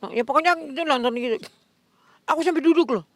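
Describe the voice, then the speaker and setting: An older woman in a casual interview, animated and acting out her reactions, with frequent coughs. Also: high-pitched, quick pace, no room sound.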